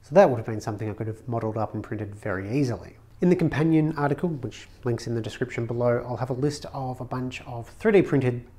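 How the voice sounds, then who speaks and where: A man in his thirties talks through a workshop project in a relaxed, practical way, with the odd dry aside. He has a mid-pitched voice. He is recorded on a camera mic from a short distance in a brick-walled home woodworking shop. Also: quick pace, few pauses. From Australia. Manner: chatty, practical, wry asides. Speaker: woodworking channel host. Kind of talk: casual how-to vlog.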